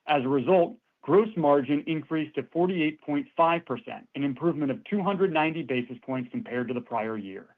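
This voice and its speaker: Higher-pitched man on a tinny phone line. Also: normal speed, few pauses. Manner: formal, businesslike. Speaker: company finance executive. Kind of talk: scripted financial report.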